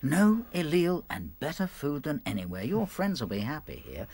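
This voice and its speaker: Husky British rabbit, eager host, chatty, evasive, very varied pitch, radio drama. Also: male voice, very animated, normal speed, darkish tone, no echo, full character voice. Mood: reassuring. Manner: chatty, hesitant, deflecting. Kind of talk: radio play acting.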